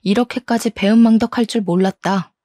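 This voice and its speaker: A woman's voice: medium pitch, fairly even intonation, brisk, no echo, studio quality, natural voice. A woman playing a betrayed, indignant wife. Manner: indignant, bitter, sharp retorts. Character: betrayed, furious wife in her thirties. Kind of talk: audio story dramatization.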